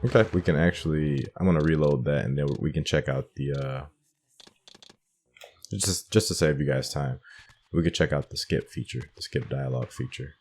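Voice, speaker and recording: A man's voice: extremely low pitch, normal speed, darkish tone. A man giving casual gameplay commentary as host of a playthrough, hesitant and thinking aloud. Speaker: gamer hosting a playthrough.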